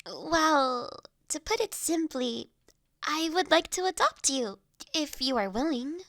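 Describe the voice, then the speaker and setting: A woman playing a polite, gentle human lady in an intimate audio roleplay, speaking formally and courteously with soft hesitations. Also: high-pitched, animated, dry recording, clean studio sound, full character voice. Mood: apologetic, courteous. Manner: courteous, formal wording, softly hesitant with pauses.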